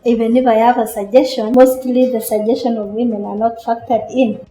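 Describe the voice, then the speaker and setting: A woman's voice: fairly high pitch, flat delivery, a little fast, dark tone. A woman giving a personal account in a documentary. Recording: echoey room, music underneath. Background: background music.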